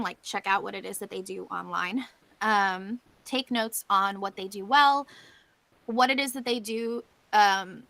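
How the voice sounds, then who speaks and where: Woman doing a casual panel talk, bright crisp-edged voice with some creak, pretty dry sound. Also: mid-range voice, dry recording. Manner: conversational, explanatory. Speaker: panelist presenter. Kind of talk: informal conference presentation.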